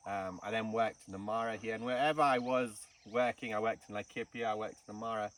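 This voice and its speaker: Male guest from Kenya, relaxed storyteller, interview recorded at a distance outdoors. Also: fairly low pitch, quick pace. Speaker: snake farm curator. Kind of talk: casual interview. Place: outdoors in the bush. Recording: distant mic with faint insect noise.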